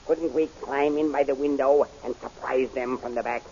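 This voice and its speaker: A man's voice: medium pitch, steady tone, moderate pace, mellow, close to an everyday voice. An actor playing a scheming, imperious rebel general in a 1930s radio serial, pondering as he speaks, on a muffled, hissy recording.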